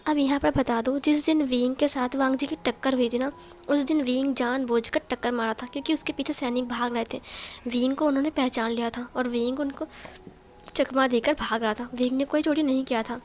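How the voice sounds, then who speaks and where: A woman's voice: high voice, steady tone, fairly quick. A woman casually retelling a romance story in a chatty, explaining way, like a storyteller. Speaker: story narrator.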